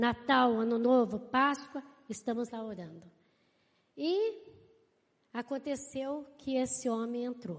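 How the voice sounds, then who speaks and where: A woman speaks very slowly in a high voice, with long, frequent pauses. Her intonation is lively. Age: 60s. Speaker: pastor. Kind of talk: sermon.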